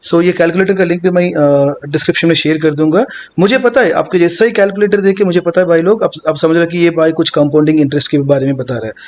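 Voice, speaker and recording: A man is talking with a high pitch. His pitch varies in an ordinary way. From South India. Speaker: stock trading educator. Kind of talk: tutorial. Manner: casual Hindi-English code-switching.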